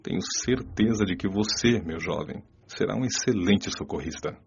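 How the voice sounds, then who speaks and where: An actor with a Brazilian Portuguese accent playing a wise spirit doctor who teaches in a calm, paternal way. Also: male voice, low voice, normal speed, vocal fry, breathy edge, heavily acted. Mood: gentle. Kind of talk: radio drama dialogue. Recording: dull lo-fi audio.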